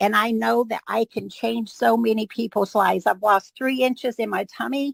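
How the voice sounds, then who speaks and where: Recorded with a dry, close sound and no echo, a woman speaks at a fairly high pitch. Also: ordinary pitch variation, moderate pace. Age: 60s. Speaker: product distributor giving testimony. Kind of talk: testimony. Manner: animated.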